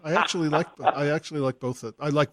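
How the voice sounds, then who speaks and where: A man's voice: fairly high pitch, steady tone, fast. A man hosting a radio talk show, laughing easily and explaining his points at length. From California. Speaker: radio host.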